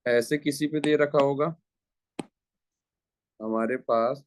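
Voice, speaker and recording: A man's voice: medium pitch, steady tone, slow pace, dry recording. A man teaching a chemistry lecture who repeats his phrases and asks rhetorical questions as he talks students through each step. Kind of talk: classroom lecture.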